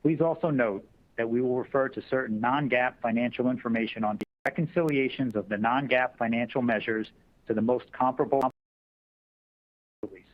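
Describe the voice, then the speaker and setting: A man's voice: mid-range voice, fairly quick. A man in investor relations reading scripted corporate remarks in a formal, businesslike way. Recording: dull lo-fi conference call audio.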